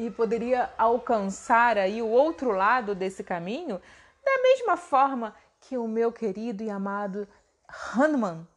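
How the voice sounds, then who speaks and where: A woman voicing Bima, a proud and mighty male warrior who speaks with emphatic indignation. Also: medium pitch. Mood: indignant.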